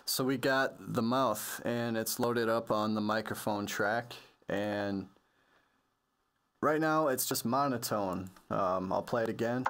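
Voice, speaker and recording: A man with a low voice presents a music production tutorial. He explains things casually and loosely, with plenty of slang, as if working it out as he goes. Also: slow, fairly bright tone. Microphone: computer voice-over on a microphone.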